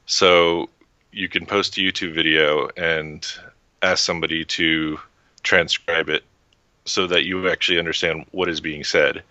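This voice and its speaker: A man's voice: low-pitched, level tone, measured pace, bright, forceful tone, no echo. A man from Texas, a guest in an interview, talking in a hesitant, casual way with many fillers. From Texas, USA. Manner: hesitant, many "um" and restarts, laughs lightly. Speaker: guest, website founder. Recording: dull lo-fi dry sound.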